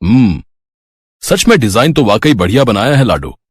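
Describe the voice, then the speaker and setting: A man's voice: medium pitch, very animated, normal speed, breathy edge, no echo. A man voicing an easygoing, teasing middle-aged father and husband in a storybook tale. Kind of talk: storybook voice acting.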